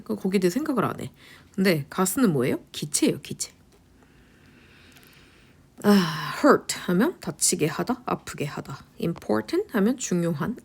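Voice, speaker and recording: Her voice is husky and mid-range as she teaches English words in a lecture. She poses quick questions only to answer them herself, often slipping into a whisper.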